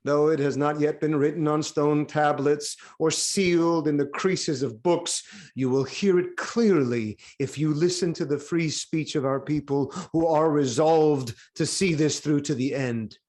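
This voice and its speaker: A man's voice: a little high, a little slow, few pauses, a little mellow, close to an everyday voice. An actor playing a proud, commanding king in a Greek tragedy reading, speaking with stern, declamatory authority. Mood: defiant. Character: proud, commanding king defending suppliants of his city. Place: online video-call reading.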